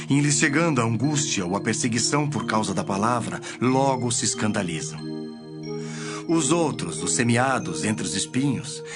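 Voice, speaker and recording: A man playing Jesus as a solemn, measured teacher in a dramatized audio Bible. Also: mid-range voice, close to an everyday voice. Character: Jesus, solemn teacher telling parables to followers. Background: music.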